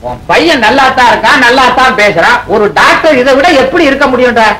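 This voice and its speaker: A stern elder who lectures and scolds in a high-pitched voice. He speaks firmly and directly to the person in front of him. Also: animated, a little fast, bright, forceful tone, heavily acted, low-quality recording. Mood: scolding. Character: stern older man scolding a relative. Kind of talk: film comedy acting.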